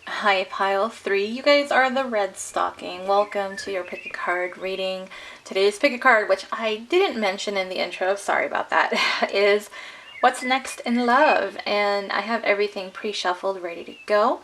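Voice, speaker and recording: A woman's voice: mid-range voice, normal speed, a bit bright, a little hiss or hum. A woman giving a casual tarot card reading to camera, chatty and encouraging, laughing often, her voice a little worn. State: losing her voice. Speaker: tarot reader.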